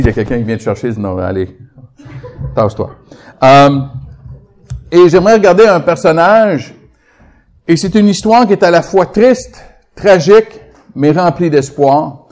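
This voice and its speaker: A man's voice: a little high, darkish tone. A man in his fifties from Quebec with a Québécois accent, preaching as a guest with a chatty, joking manner. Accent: Québécois French. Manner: humorous, chatty, joking with the congregation. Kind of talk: sermon.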